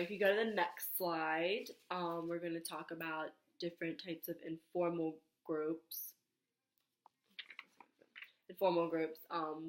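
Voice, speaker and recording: A young woman under the weather, her stuffed-up voice sitting somewhat low and a little raspy. She walks through her presentation slide by slide, reading the points aloud and filling gaps with ums and small restarts. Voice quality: slightly raspy. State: nasal congestion, under the weather. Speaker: student presenter. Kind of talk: recorded class slide presentation.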